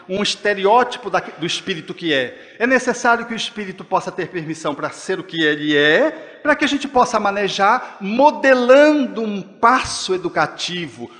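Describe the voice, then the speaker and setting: A man with a Brazilian Portuguese accent giving a spiritist talk in a lecture hall, expressive and acting out parents speaking to children. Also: high-pitched. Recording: long hall reverb.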